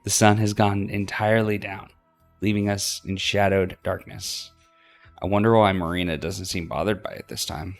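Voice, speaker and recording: A man narrating a story game aloud as a let's play host, expressive in his reading. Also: on the low side, normal speed, vocal fry, soft background music.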